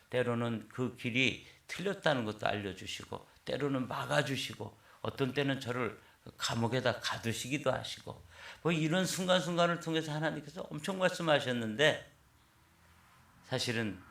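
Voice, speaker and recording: A man's voice: medium pitch, vocal fry, fairly bright tone. A man in his sixties, a pastor, preaching an early-morning sermon in a conversational storytelling way, recorded in an echoey church. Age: 60s. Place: church sanctuary.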